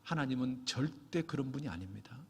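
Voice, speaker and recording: A man preaching a Sunday sermon, swinging from quiet reading to loud, impassioned exhortation. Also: mid-range voice, expressive, a little fast, creaky, slightly rough. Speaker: pastor. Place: church sanctuary. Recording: long church reverb.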